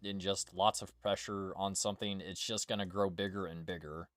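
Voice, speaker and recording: This American VTuber streamer is a young man with a low, steady, fairly bright voice and a moderate pace. He rambles and jokes casually, swearing plenty, and the recording has no echo.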